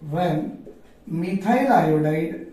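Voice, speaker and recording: In a very echoey room, some distance from the microphone, a man with a South Asian accent delivers a classroom lesson. His voice is high for a man. He poses questions, answers them himself and repeats key phrases for his students. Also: animated, extremely slow, warm tone. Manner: repeats phrases for emphasis, addresses students affectionately. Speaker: chemistry teacher. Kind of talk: classroom lecture for a video lesson.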